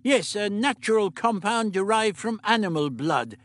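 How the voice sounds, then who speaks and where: A man reading an audiobook puts on a fussy, absent-minded old doctor with a raised, lively voice. He stammers, fusses and hurries people along in an old-fashioned way. His voice swings all over in pitch. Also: moderate pace. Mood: explaining.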